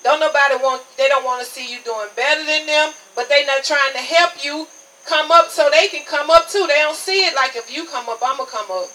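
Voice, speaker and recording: A woman's voice: high voice, fairly even intonation, brisk, pushed and bright. A woman preacher giving an emphatic revival sermon, punctuating her phrases with amens. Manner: emphatic, repeats "Amen" as punctuation. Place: outdoor tent service at night. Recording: distant mic, noisy, insect chirps behind. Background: crickets and insects, congregation answering amen.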